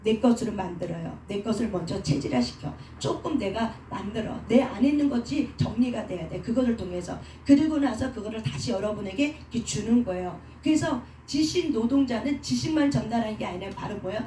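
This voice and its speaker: Woman pastor, mellow voice, preaching style, rhetorical questions, recorded far off in an echoey room. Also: on the high side, expressive, brisk, few pauses. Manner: asks rhetorical questions and answers them, acts out quoted speech. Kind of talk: sermon teaching. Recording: roomy sound from a distance with faint noise.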